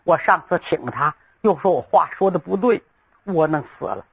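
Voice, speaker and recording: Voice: mid-range voice, animated, normal speed, gravelly, breathy edge, lo-fi sound, voice pushed down. A storyteller voicing a proud, stubborn young male general who talks back indignantly. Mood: glum. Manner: indignant, defiant.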